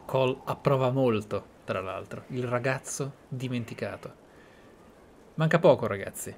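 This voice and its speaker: A man with an Italian accent giving casual, reflective game commentary in short phrases with pauses. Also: mid-range voice, creaky, a little mellow, slight background noise. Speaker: gaming YouTuber.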